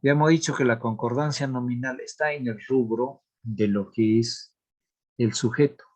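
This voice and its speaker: A man teaching a grammar lesson, explaining rules slowly and deliberately, reading out examples and checking in with the class. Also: medium pitch, fairly even intonation, darkish tone. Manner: asks checking questions of the class.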